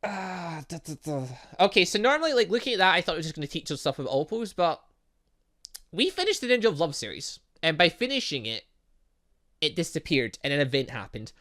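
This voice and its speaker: A gaming channel host plays a visual novel, chatting and musing aloud in his fairly high, very animated voice while reading snippets of game text. He talks briskly with a sharp edge, muttering little asides to himself as he goes.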